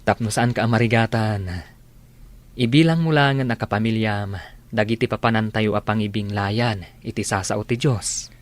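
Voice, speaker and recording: A man's voice: fairly low pitch, normal speed, close to an everyday voice. A man with an Ilocano Filipino accent playing an earnest, devout young seminarian in a radio drama. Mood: solemn.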